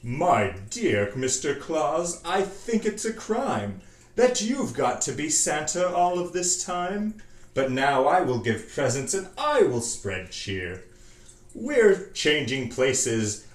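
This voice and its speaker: A grandiose skeleton from a storybook, acted out by a man, eager to be Santa. He stretches his words with theatrical emphasis and swoops widely in pitch. The room echoes around him. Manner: dramatic, drawn-out delivery with swelling emphasis. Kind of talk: storybook character reading in verse. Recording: roomy echo.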